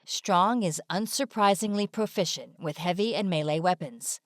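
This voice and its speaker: Casting: female explainer narrator, slightly deep, scripted informational read, dry studio voice-over. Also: moderate pace, dry recording.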